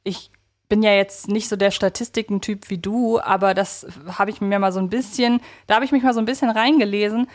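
A woman's voice: medium pitch, steady tone, a little fast. A woman co-hosting a casual fan podcast, chatty and thinking aloud as she rephrases her points. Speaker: podcast co-host.

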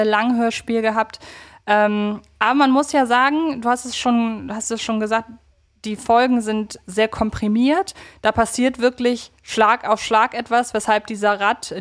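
A woman co-hosting a casual fan podcast, chatty and thinking aloud as she rephrases her points. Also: fairly high pitch. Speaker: podcast co-host.

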